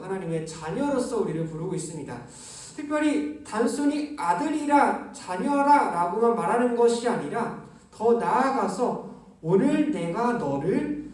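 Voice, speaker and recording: A man in his thirties giving a gentle, conversational sermon through a face mask, pausing often, alone in a large church office. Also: very high-pitched. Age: 30s. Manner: gentle, conversational preaching with frequent pauses. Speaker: youth pastor. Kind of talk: livestreamed sermon. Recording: very echoey room, mic at a distance.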